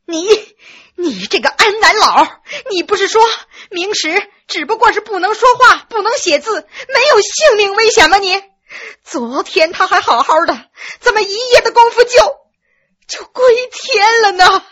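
A woman's voice: lively intonation, moderate pace, sharp tone, exaggerated voice. A woman voicing an official's grief-stricken wife who wails and sobs in a storytelling performance. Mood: accusing, sobbing. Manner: sobbing, shrill wailing.

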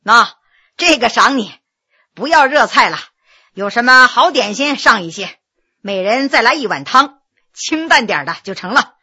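A woman's voice: on the high side, lively intonation, moderate pace, pushed and bright, husky, full character voice. A woman voicing a gracious, generous middle-aged nobleman who talks in an easygoing way with filler sounds. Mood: genial.

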